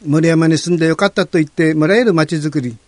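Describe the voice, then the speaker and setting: A man serving on a city council, giving a formal, polite prepared statement in a measured, earnest way. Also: fairly high pitch, darkish tone, dry recording.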